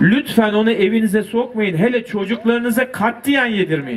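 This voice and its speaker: A man's pitch varies in an ordinary way while he speaks at a fairly slow pace. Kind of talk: public lecture. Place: stage. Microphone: headset.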